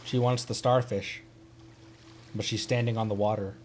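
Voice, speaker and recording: A man's voice: on the low side, fairly even intonation, normal speed, a little hiss or hum. A man chatting casually on a live game stream, thinking aloud in a rambling way with silly little interjections. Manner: playful, silly interjections and nonsense words.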